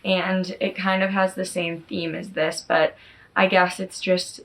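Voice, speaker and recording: Casual young woman vlogger, slightly low voice. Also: flat delivery, a little slow, gravelly. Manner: informal, peppered with "like" and "you know". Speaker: YouTube vlogger. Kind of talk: casual chatty talk to camera.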